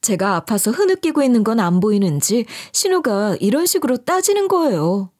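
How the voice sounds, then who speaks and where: A woman's voice: fairly high pitch, sing-song, normal speed, a little mellow. A woman narrating her own story in the first person, emotional and confiding.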